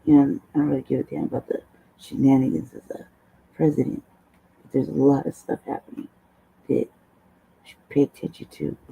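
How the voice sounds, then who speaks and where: Woman host, hoarse low voice, gravelly, rambling casual chat, swears, desk mic. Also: level tone, brisk, pauses often, warm tone, lo-fi sound. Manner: rambling, laughs often, swears. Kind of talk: casual livestream talk.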